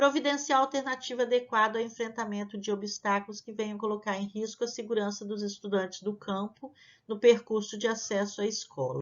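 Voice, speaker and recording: Her pitch fairly high and varying in an ordinary way, a woman with an unremarkable speaking voice talks at a moderate speed. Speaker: teacher preparing candidates for a public exam. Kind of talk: reading aloud of legislation; tutorial.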